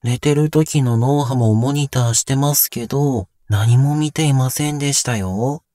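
A man's voice: mid-range voice, mellow, no echo, clean studio sound, lightly acted. A man playing a cheerful, devoted young AI companion in an audio drama, speaking politely with a teasing streak. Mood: polite, helpful. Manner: polite, teasing, drawn-out calls. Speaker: voice actor. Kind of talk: Japanese audio drama acting.

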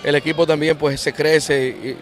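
A man with a Dominican accent, a sports reporter putting brisk questions to a manager after a game. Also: fairly high pitch, level tone. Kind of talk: post-game interview questions. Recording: outdoor recording with some noise.

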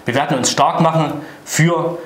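A man's voice: a little high, normal speed, echoey room, low-quality recording. A middle-aged man giving an emphatic, indignant political presentation to camera as a party spokesman.

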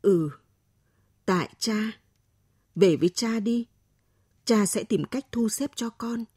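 A woman reading a story aloud, voicing a gentle aging father who talks slowly and tenderly. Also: high-pitched, breathy edge, no room sound, studio quality, heavily acted. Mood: gentle pleading.

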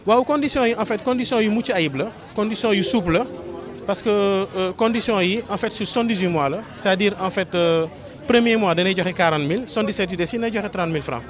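High-voiced Senegalese man briefing the press. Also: brisk. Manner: earnest, repetitive promotional speech mixing Wolof and French. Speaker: real estate promoter. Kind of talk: press statement to journalists. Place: crowded outdoor tent event. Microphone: several press microphones held close. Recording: noisy crowd around interview. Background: crowd chatter.

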